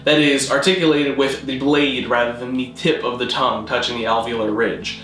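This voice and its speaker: A man hosting an educational video, narrating a scripted mock-academic lecture in a deadpan, didactic way. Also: mid-range voice, echoey room. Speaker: host, video essayist on constructed languages.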